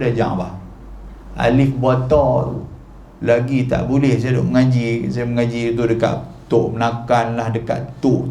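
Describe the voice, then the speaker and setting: A man's voice: medium pitch, mellow, slight background noise. Man, religious teacher, chatty lecture, demonstrates pronunciation, roomy echo. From Malaysia. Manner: chatty, demonstrative, repeatedly modelling Arabic pronunciation. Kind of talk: mosque lecture.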